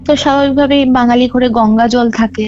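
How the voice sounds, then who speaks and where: A woman's voice: a little high, steady tone, fast talker, darkish tone. A woman telling a true ghost story as a caller, rambling with many fillers and restarts. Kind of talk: casual storytelling over a phone call. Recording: dull lo-fi call recording with faint music.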